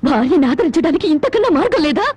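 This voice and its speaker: An actress playing a wronged young wife who scolds her husband with sharp, tearful sarcasm in a melodramatic film scene. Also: extremely high pitch, sing-song, very fast. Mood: bitter sarcasm. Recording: film soundtrack with loud score.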